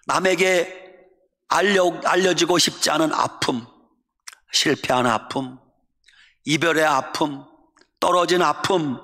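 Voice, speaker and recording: A middle-aged man from Chungcheong preaching a sermon as a pastor, humorous, mimicking dialects and shouting for emphasis. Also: a little high. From Chungcheong, Korea. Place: church sanctuary. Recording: long church reverb.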